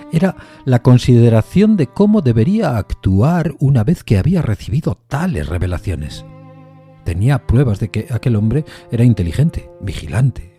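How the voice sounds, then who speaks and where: A man narrating a literary suspense story in a measured, solemn manner. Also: lowish voice, warm tone.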